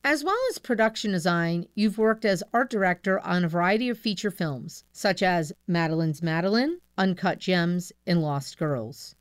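A woman hosting a radio show, reading a formal guest introduction and asking questions in a measured way. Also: fairly low pitch, lively intonation, dry recording, clean studio sound. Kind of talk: scripted introduction and interview questions.

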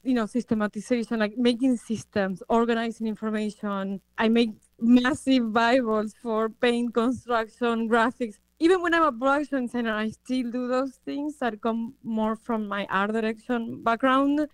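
A woman from Argentina in her thirties speaks as an interview guest, pausing and restarting as she thinks. Her voice sits a little high and sounds smooth and resonant. The recording is dry and close. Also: fairly even intonation, no echo, rough recording. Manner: reflective, with frequent fillers and restarts. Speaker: production designer guest. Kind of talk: interview answers.

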